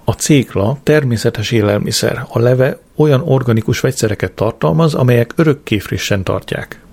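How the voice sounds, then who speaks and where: A man's voice: medium pitch, gravelly, no echo. A man doing a blustering pompous businessman. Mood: indignant. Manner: indignant, shouting.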